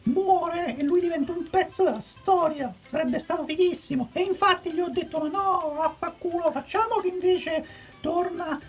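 Man doing a very high-pitched, flustered lady studio boss. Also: moderate pace, soft background music. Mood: scheming, scornful. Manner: rambling, gossipy, swearing. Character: flustered, foul-mouthed female film studio boss. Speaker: guest in a comic film quiz. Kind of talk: comic improvised impression.

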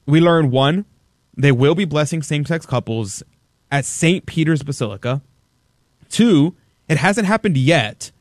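A man's voice: on the high side, animated, measured pace, no echo, clean studio sound. Emphatic, indignant male radio host. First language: English. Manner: emphatic, indignant, rhetorical questions. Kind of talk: opinionated talk radio commentary.

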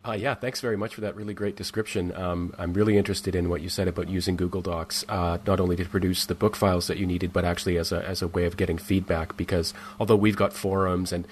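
Very deep-voiced male host. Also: flat delivery, slightly rough. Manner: appreciative, measured, with fillers. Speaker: podcast host. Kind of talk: interview hosting.

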